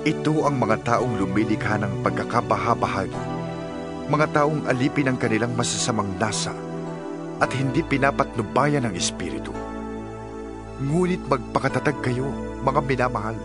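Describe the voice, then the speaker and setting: A man with a Filipino accent reads scripture as a dramatized narration, solemn and emphatic, in measured phrases. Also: mid-range voice. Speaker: audio Bible narrator. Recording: music under the voice. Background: music.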